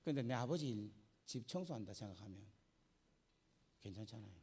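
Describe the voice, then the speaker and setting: A male pastor preaches a sermon. He swings from fervent shouting to soft, conversational asides. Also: on the low side, expressive, a little fast, slightly rough. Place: church sanctuary. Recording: long church reverb.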